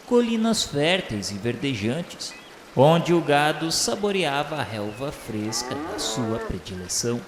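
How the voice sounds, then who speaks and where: A man with a Brazilian accent playing a repentant spirit who narrates a radio novela in a solemn, florid, declamatory way. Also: mid-range voice. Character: repentant male spirit solemnly recounting his afterlife rehabilitation. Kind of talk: scripted first-person radio drama narration. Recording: echoey reverberant hall over faint music.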